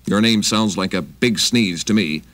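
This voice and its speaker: A man voicing a stingy, grumpy big woman who scolds in a raised, loud, curt voice. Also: on the low side, normal speed, dry recording, lightly acted. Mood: scolding.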